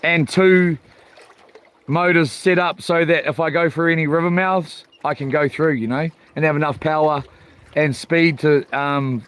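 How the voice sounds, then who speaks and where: A man's voice: a little high, fairly even intonation, a little slow, fairly bright tone, clear, resonant tone. A man with a broad New Zealand accent chats casually on a live vlog, rambling and hesitant, with slangy informal phrasing. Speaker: fishing livestream host. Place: outdoors on a small boat at sea. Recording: faint outdoor water and boat noise.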